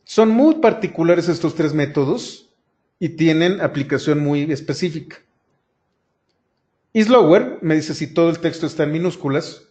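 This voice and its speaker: A man's voice: a little high, lively intonation, normal speed, darkish tone. A male programming instructor, explaining a coding lesson step by step and speaking directly to his students. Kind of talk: screen-recorded coding lesson. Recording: dull lo-fi sound.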